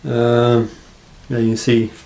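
Monotone and warm, his mid-range voice takes things slowly. He is a knife maker giving an unscripted, casual show-and-tell of his work, hesitant and understated, inside a small block-walled workshop, with camera audio that carries clear background noise.

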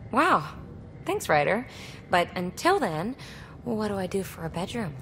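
A woman's voice: mid-range voice, sing-song, unhurried, fairly bright tone, a little hiss or hum, poor audio. A woman playing a young, impulsive alien explorer in a video game, wry, casual and earnest. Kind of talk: video game cinematic acting.

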